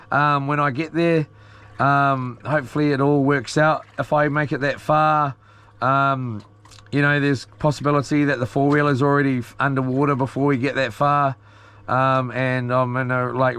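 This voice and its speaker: A man's voice: on the high side, fairly bright tone, clear, resonant tone. A man with a broad New Zealand accent, chatting casually on a live stream in a slangy, matey, rambling way. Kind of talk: casual live-stream chat, reading out and answering viewer comments.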